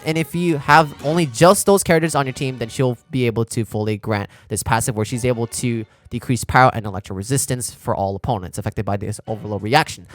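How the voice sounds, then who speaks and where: A man's voice: medium pitch, a bit bright. A man giving casual live reaction commentary as a streamer, talking informally to his chat. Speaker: streamer reacting to a game character preview.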